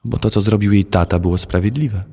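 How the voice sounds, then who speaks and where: A man's voice: on the low side, fairly even intonation, fairly quick, vocal fry, a little mellow, breathy edge. A man reading a storybook, voicing a timid, guilty schoolgirl who talks hesitantly in a raised voice. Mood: earnest. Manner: hesitant, faltering. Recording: long hall reverb.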